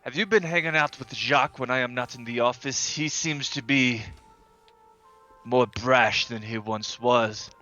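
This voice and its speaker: A man's voice: mid-range voice, unhurried, sharp tone, lo-fi sound, soft background music. A man voicing a formal, easily exasperated caretaker of a magical arboretum, speaking in stilted, proper sentences. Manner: formal, stilted wording, bursting into exasperated outbursts.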